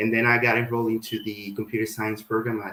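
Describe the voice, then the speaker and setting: A man in a Spanish accent talks at a very fast pace. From Dominican Republic, Baní. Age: 20s. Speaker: tech community organizer. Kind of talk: live stream interview.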